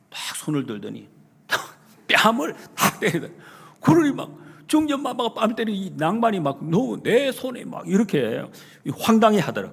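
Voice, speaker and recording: A male pastor preaching a Sunday sermon in a church, animated and emphatic, often acting out the lines he retells. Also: a little high, breathy edge. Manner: retells scenes with acted quotes. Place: church sanctuary. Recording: long hall reverb.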